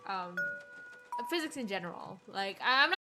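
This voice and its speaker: A woman livestream host chatting casually in a rambling, hesitant way with halting sentences. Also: medium pitch, expressive. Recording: music playing behind the voice. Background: clear background music.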